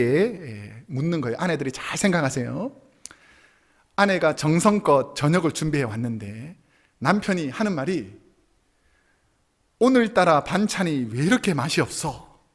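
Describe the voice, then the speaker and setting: A male pastor preaching a Sunday sermon in a church, acting out husband-and-wife exchanges and bantering with the congregation. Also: a little high. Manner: animated, acts out spouses' quips, chuckles with congregation. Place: church sanctuary.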